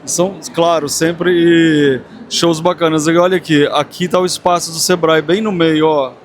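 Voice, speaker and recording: A man's voice: on the high side, fairly even intonation, a little slow. A Brazilian man hosting a casual walking vlog, speaking effusively and straight to his viewers in a busy fair. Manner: effusive, addresses viewers directly. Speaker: vlogger and host. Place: busy large craft fair. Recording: clear background noise of a busy fair.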